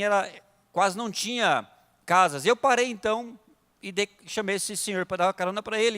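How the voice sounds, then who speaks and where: A man with a Brazilian Portuguese accent preaching in a church. His voice sits high and rings with a sharp, bright edge. It carries a long reverb through the large sanctuary. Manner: storytelling preacher, swings from loud emphatic peaks to quiet asides. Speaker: pastor. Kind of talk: sermon.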